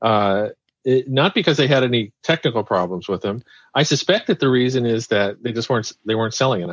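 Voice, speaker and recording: A man with an American accent speaks at a medium pitch in an unremarkable speaking voice. His intonation is lively. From US Midwest. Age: 60s. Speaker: author and magazine writer. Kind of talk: interview. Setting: phone or video call.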